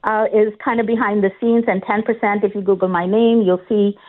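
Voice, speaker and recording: A woman's voice: medium pitch, fairly even intonation, a little fast. A woman candidate makes her case over a tinny phone line, her voice squeezed into a narrow band. She speaks earnestly and in a campaigning tone, stopping often to restart her sentences and fill the gaps. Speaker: political candidate guest. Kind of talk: phone interview on talk radio.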